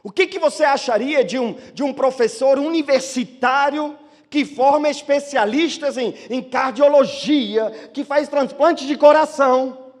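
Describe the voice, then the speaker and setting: A man with another first language preaching a lively sermon as a pastor, acting out the excuses people give. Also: very high-pitched, big-room sound. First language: not Portuguese. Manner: animated, acts out excuses of churchgoers.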